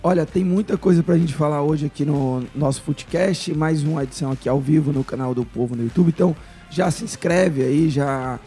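Hoarse, smoker-raspy Northeastern Brazilian male host. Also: fairly high pitch, brisk, dark tone, soft background music. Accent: Northeastern Brazilian, Ceará. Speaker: sports podcast host. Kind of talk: casual live sports chat.

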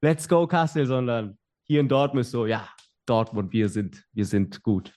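A man's voice: mid-range voice, fairly even intonation, normal speed, a little mellow. A young adult man, a podcast guest, telling his story in casual talk with many fillers and restarts.

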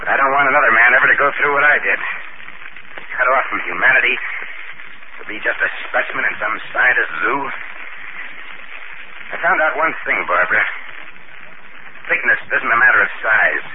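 A man's voice: mid-range voice, lively intonation, brisk, pauses often, close to an everyday voice. An actor playing an earnest, reflective man who was once a giant, in a 1950s radio drama. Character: shrunken former giant, earnest idealistic man. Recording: tinny, hissy 1950 radio broadcast.

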